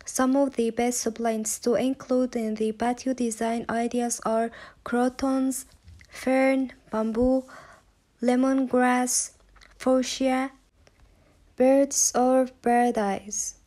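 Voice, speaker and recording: A woman reading a scripted voice-over narration for a channel in an even, unhurried tone. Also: on the high side. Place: voice-over over slideshow.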